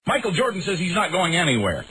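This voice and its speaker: A man's voice: sits high, huge pitch swings, fast talker, bright, forceful tone. A man reading the news on a radio show with wry, punchy delivery and some casual banter. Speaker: radio newsreader. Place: radio studio. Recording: noisy taped radio broadcast.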